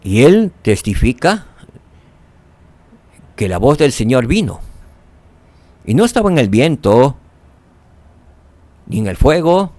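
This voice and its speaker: A man teaching a scripture lesson, asking rhetorical questions and dropping to soft tones for emphasis. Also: medium pitch, sing-song, slow pace, pauses often, no echo.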